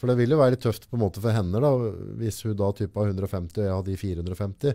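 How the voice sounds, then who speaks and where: Against a quiet background, a man talks at a moderate pace in a fairly low pitch with a dark, mellow tone and ordinary pitch variation. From Norway. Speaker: podcast host. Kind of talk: casual interview. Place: studio. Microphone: studio mic.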